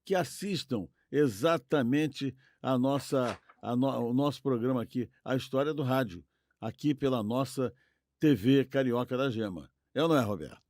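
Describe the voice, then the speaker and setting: A man's voice: medium pitch, normal speed, a little mellow, dry recording. An older Brazilian man co-hosting in a casual, chatty way, affirming his partner and seeking agreement with tag questions. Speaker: co-host. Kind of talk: casual chat.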